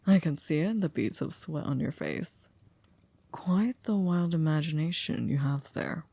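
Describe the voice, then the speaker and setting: Woman acting a low, breathy, composed household servant. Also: animated, no room sound, heavily acted. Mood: amused, teasing. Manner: polite, measured, gently wry. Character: composed, formal, dryly teasing female household servant. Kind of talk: ASMR roleplay acting.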